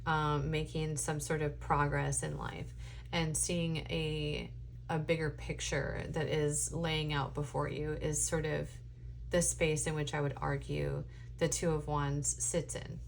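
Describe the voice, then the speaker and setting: A woman with a low, slightly hoarse voice talks through a tarot spread. She meanders and thinks aloud, filling pauses with ums. A faint hum sits under the recording. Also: level tone. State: voice going hoarse. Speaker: tarot reader. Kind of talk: casual spoken tarot reading.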